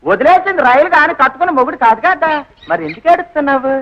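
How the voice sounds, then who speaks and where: Village cop, joking and teasing, super high sharp voice, muffled old movie audio. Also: male voice, expressive, rapid-fire, exaggerated voice. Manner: bantering, teasing, rustic dialect. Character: chatty village police constable, man. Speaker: police constable. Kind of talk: comic film acting. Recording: dull lo-fi old film soundtrack.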